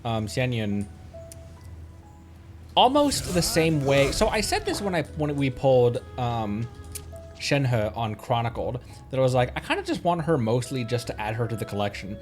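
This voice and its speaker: A streamer chatting casually over a game, in a playful, excitable manner. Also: medium pitch, normal speed, soft background music. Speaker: livestreamer. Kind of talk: casual gaming livestream chat.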